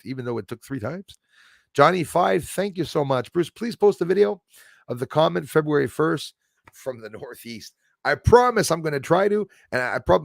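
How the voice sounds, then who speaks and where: A man's voice: on the high side, vocal fry, no room sound, studio quality. A man chatting casually as a livestream host, enthusiastic and rambling, addressing his viewers like buddies. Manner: enthusiastic, rambling, chummy with listeners.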